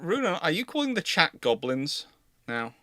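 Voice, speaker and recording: Bright, forceful man hosting a chat. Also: fairly high pitch, sing-song, moderate pace, dry recording, studio quality. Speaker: live stream host. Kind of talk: casual live naval history discussion.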